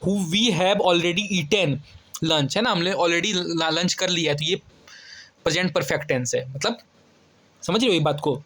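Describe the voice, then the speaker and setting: A young male tutor coaching children through exam questions in a relaxed, talky way. His voice sits a little on the high side, and he drags English example sentences out slowly before explaining them. He keeps asking whether his students are following. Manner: chatty, keeps checking students follow ("है ना", "ठीक है"). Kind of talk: casual Hindi exam-prep lesson.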